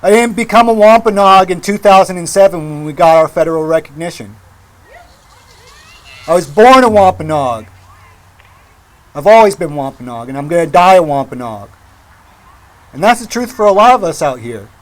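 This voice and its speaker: A man in his forties from Massachusetts gives an impassioned public speech at a rally, speaking emphatically with deliberate repetition. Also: sits high, lively intonation, rough recording. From Mashpee, Massachusetts, United States. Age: 40s. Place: outdoor rally.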